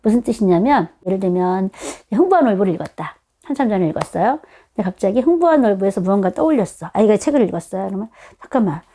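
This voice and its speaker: A woman with a warm, relaxed tone at an average pitch speaks as an educator to parents. She explains in a conversational, animated way. She often puts rhetorical questions to her listeners and then answers them. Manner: animated, acts out short quotes of children and parents. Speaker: reading educator giving parents advice.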